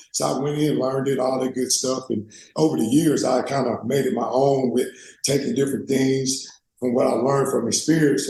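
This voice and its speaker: Speaking at a moderate pace, a man has a fairly high voice with a dark, mellow tone and vocal fry. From Mississippi. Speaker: college speed coach. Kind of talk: podcast interview.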